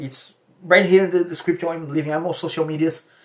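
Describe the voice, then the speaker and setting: This is a man speaking with a Brazilian accent. His voice sits at a high pitch. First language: Portuguese. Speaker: political commentator youtuber. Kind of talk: monologue commentary. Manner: halting, frequent fillers and repetitions.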